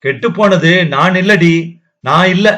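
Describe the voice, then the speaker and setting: A man's voice: sits high, measured pace, a bit bright, voice pushed up. A man doing a slurring drunk rickshaw man. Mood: drunk defiance. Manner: slurred, mocking speech. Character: drunk young rickshaw man, bitter and mocking. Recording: dull lo-fi audio.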